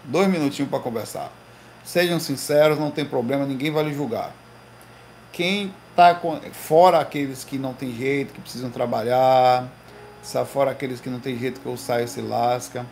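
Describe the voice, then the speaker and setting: Gravelly man chatting on a livestream. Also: medium pitch, slight background noise. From Recife, Brazil. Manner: slangy, animated storytelling with lots of "velho" and "cara". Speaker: livestream host. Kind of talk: casual livestream chat with viewers. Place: home room.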